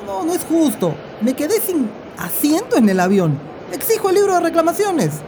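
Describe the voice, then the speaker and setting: Woman acting an indignant high-voiced airline passenger. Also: sing-song, normal speed, noisy background, exaggerated voice. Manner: exclamatory, protesting. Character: indignant airline passenger demanding her rights. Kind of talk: acted dialogue in a public-service spot.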